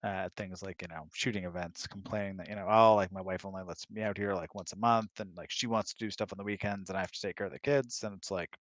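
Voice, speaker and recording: Low-voiced man in casual conversation. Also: steady tone, fast talker, hardly any pauses, no echo. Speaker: guest, husband of the host. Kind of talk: casual chat.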